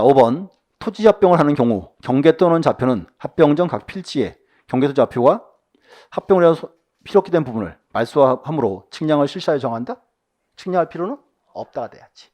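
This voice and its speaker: A male instructor walks through exam questions, his voice sitting a little high and swinging widely in pitch. He reads each item aloud and then quizzes his students with short rhetorical questions, sometimes dropping to a quiet aside. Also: animated, brisk.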